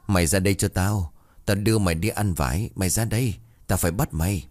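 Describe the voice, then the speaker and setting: A man voicing a vengeful ghost woman who shouts threats. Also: sits low, fast. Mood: menacing.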